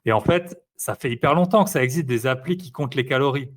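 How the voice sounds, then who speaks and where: A man speaks in an easygoing, conversational way, pausing often on fillers as he thinks out loud. His delivery is loose and unhurried, like talking with a friend. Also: medium pitch. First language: French. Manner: rambling, filler-heavy, relaxed. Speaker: interviewee, investor. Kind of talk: casual conversational chat.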